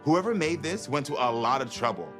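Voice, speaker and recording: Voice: mid-range voice, lively intonation, fairly quick, music in the background, close to an everyday voice. An actor playing a chatty, obliging cartoon costume designer.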